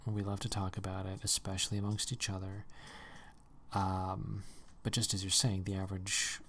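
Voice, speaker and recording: Casual male stream host, low gravelly voice, rambling delivery. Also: completely flat delivery, moderate pace, fairly bright tone, a little hiss or hum. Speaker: livestream host. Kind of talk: casual chat.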